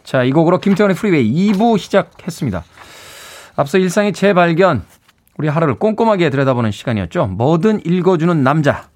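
A man's voice: fairly high pitch, big pitch swings, fast talker, darkish tone. A man hosting a radio show, chatting in a friendly way and reading out listener messages from a studio. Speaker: radio host. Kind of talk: radio DJ talk.

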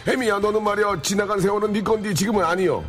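A man voicing an old mother-in-law with a who scolds her daughter-in-law in a stuttering, drawn-out way, as a radio comedy bit. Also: high-pitched, steady tone, music in the background, voice pushed up, close to an everyday voice. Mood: scolding.

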